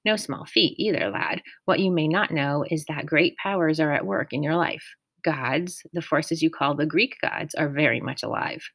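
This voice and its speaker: A woman voicing a kindly, wise old male teacher who speaks gently and formally. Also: low-pitched, moderate pace, hardly any pauses, dry recording. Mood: gentle.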